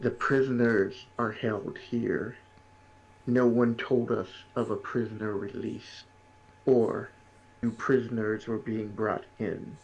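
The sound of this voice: A man puts on a raspy character voice at medium pitch. He goes at a fairly slow pace with long, frequent pauses.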